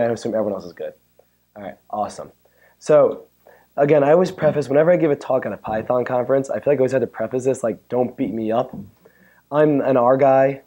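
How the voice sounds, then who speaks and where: A man with a hoarse, worn-out voice giving a chatty, joking technical talk at a conference and bantering with the audience. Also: medium pitch, warm tone. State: hoarse, losing his voice. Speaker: conference speaker. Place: conference room. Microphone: handheld or stand mic.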